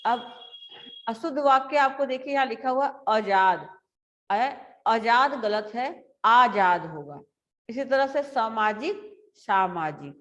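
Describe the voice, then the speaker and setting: A woman teacher leads a grammar lesson for schoolchildren. Her voice sits a little high. She explains slowly and carefully, saying words aloud twice so pupils can follow. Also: a bit bright, muffled recording.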